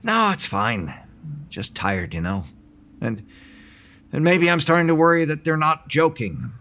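An actor playing an anxious man who unravels into paranoia, stammering and halting as he narrates. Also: on the high side, very animated, sharp tone, exaggerated voice. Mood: tired, evasive. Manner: halting, stammering, rising to desperate pleading. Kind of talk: audio drama acting with narration.

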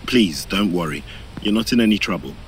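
A resonant, smooth-talking agent. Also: male voice, sits low, expressive, slight background noise. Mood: polite, firm. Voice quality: resonant, weighty. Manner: smooth and measured, reassuring. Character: polite, calmly insistent male intelligence agent. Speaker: MI5 agent. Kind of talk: audio drama acting.

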